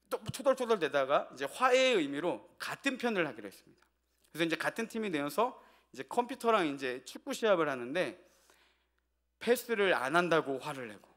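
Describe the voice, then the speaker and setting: A male pastor preaches an evening sermon in church. His voice sits a little higher than most men's, and he tells a homely family story as though talking it over with the congregation. Now and then he throws rhetorical questions out to the pews. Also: fairly bright tone.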